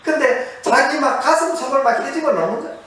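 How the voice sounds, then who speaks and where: High, lively male preacher in echoey hall. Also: fairly quick. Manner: asks the audience questions and repeats key words. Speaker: monastic preacher. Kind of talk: sermon lecture to an audience. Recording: very echoey, distant mic, faint noise.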